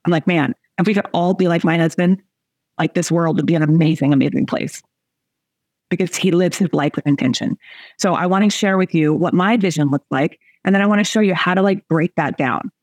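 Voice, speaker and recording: A woman in her forties, working as a coach and host, gives a motivational talk to a group, chatty and emphatic, often laughing and addressing listeners directly. Her fairly low voice is a little mellow and a bit fast, with no echo.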